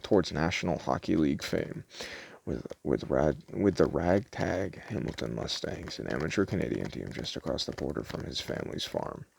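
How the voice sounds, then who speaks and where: Man, bottomless low pitch, lively intonation, gravelly, offhand rambling ASMR clerk roleplay, stumbling read-aloud, noisy home recording. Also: moderate pace. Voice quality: gravelly, creaky. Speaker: ASMR roleplayer playing a DVD store clerk. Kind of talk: casual ASMR roleplay, chatting and reading movie blurbs aloud.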